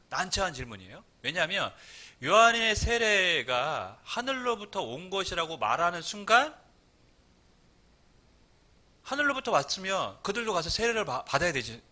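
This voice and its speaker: A man delivering a Sunday sermon, his voice strikingly bright and ringing. He talks to the congregation like in a chat, with pitch that rises and falls a lot. He slips into quick acted-out lines now and then. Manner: conversational preaching with acted-out quotes. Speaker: pastor.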